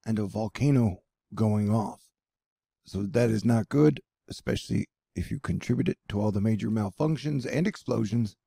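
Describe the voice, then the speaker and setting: A man's voice: medium pitch, vocal fry, warm tone, breathy edge, no echo, studio quality. A man hosting his own news channel, giving loose, irreverent commentary with playful asides. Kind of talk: casual offbeat news commentary.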